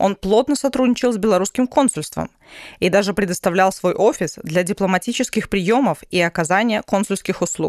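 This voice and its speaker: Against a quiet background, a woman speaks at a medium pitch and moderate pace with ordinary pitch variation and very even loudness, in a plain, everyday voice, the sound dry and close with no echo. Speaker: podcast host. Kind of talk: narrated interview. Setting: video call.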